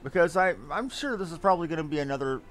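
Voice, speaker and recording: A man's voice: on the high side, lively intonation, racing, a bit bright, slight background noise. A man giving casual commentary as he streams a game, sometimes muttering to himself.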